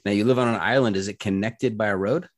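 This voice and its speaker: An American man hosting a podcast, asking calm, measured interview questions and often repeating words as he thinks. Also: fairly low pitch, no room sound, studio quality. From United States. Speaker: podcast host.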